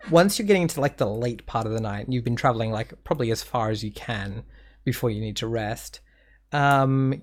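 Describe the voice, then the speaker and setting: Male game master, slow halting narration, filler-heavy. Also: mid-range voice.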